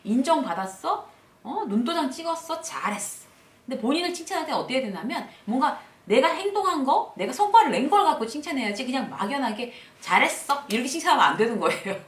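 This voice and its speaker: A woman host giving a casual spoken lesson on workplace confidence, acting out upbeat self-talk in a lively way. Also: sits high, reverberant, far from the mic. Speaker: workplace lecturer and channel host.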